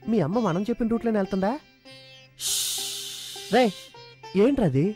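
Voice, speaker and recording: An actor playing a loud, meddling comic uncle in Telugu film dialogue, with a Telugu accent and a mocking, teasing way of talking. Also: male voice, high-pitched, expressive, moderate pace, over music.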